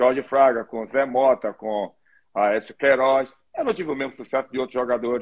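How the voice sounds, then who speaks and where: At a fairly quick pace, a man talks at medium pitch in an unremarkable speaking voice. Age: 60s. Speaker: football coach and fitness trainer. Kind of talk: interview.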